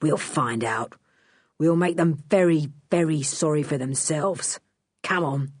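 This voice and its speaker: A woman growling as a gruff menacing crook. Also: sits low, unhurried, a little mellow, dry recording, studio quality, voice pushed down. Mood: grim. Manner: growling, grim. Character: gruff menacing male criminal.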